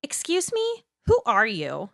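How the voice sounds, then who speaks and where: A woman's voice: fairly high pitch, huge pitch swings, slow, creaky, full character voice. A woman playing a curt, sardonic character having a bad day in an audio drama. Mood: affronted. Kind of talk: audio drama acting, casual dialogue.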